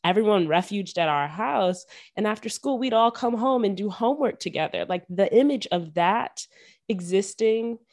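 A young woman podcast host telling stories from her childhood in a casual, animated way, full of slang and fillers. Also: mid-range voice, normal speed. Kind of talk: casual chat.

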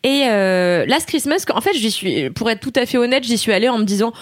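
Young woman, casual film chat, dry close sound, lively with fillers and laughs. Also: a little high, a little fast, no room sound. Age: 20s. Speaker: film reviewer, co-host.

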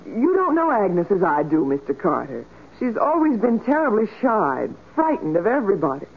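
An actress playing an earnest, reassuring family friend, emphatic in 1940s radio drama style. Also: female voice, medium pitch, sing-song, moderate pace, husky. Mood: earnest explaining. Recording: tinny 1940s radio recording.

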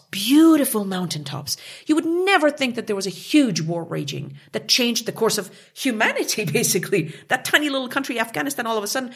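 Gravelly and slightly rough at a medium pitch, this woman from Canada talks as a guest in a conversational interview. Her delivery is emphatic and full of passion, with outbursts that climb in intensity.

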